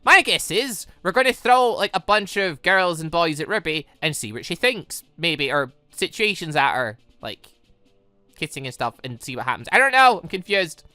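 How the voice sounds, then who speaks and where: A gaming channel host plays a visual novel, giving casual, rambling let's play commentary, reacting aloud and often giggling. Her voice is on the low side yet pushed and bright, with lively intonation at a moderate pace. Game music plays in the background with no room sound.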